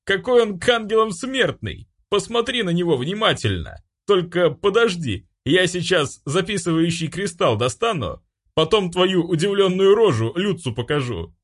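A man's voice: high voice, sing-song, moderate pace, pitched above the performer's own voice. A man doing a cackling mischievous demon. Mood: mocking. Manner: mocking, laughing, raised voice.

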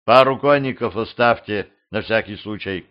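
A man voicing a gruff, commanding middle-aged boyar warrior in an audiobook, mocking and bold in manner. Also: fairly low pitch, moderate pace, close to an everyday voice. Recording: slightly dull lo-fi audio.

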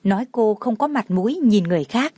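A woman reading a romance novel aloud in a steady, even storytelling manner. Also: mid-range voice, brisk, slightly rough, no room sound. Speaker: narrator. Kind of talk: scripted audiobook narration.

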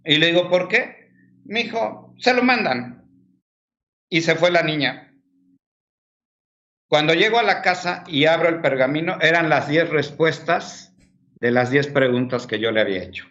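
A man's voice: fairly high pitch, moderate pace, fairly bright tone, lo-fi sound. A man from Mexico, a guest on a video call, earnestly telling a spiritual story and repeating himself as he goes.

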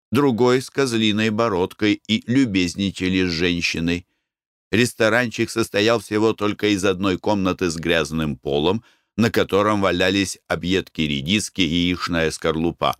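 A man's voice: fairly low pitch, moderate pace, fairly bright tone, clean tone, no room sound, studio quality. A man reading a story aloud as an audiobook narrator, in scripted narration.

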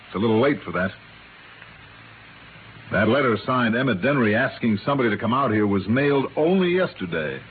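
An American actor playing a shrewd, hard-nosed insurance investigator in an old-time radio drama, confident, pressing and sardonic. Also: male voice, mid-range voice, lively intonation, fairly quick, long pauses, lightly acted. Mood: accusing, confident. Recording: vintage radio, narrow band, faint hiss.

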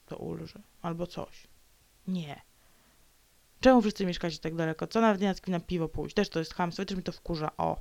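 A woman's voice: on the low side, a little fast, a little mellow, no room sound. A woman vlogger talking alone in a sulky, ranting way, slipping into whispered mutters and playful growls. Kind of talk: grumbling solo monologue.

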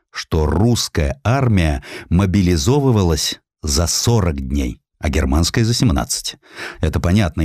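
A man reading a scripted historical narrative in an expressive, emphatic storytelling manner. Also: sits low, no room sound, studio quality. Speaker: audiobook narrator.

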